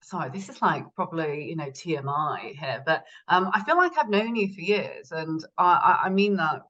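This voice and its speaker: A woman with a low-pitched voice hosts a chatty podcast interview. She speaks casually and effusively, gushing over her guest. The audio is a little dull and lo-fi. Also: animated, moderate pace, a bit bright. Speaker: podcast host.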